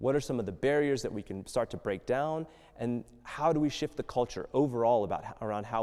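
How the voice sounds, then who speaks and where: A man speaks at a fairly quick pace. He has an American accent. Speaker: mental health speaker. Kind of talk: talk to student audience; guided breathing exercise. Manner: fast.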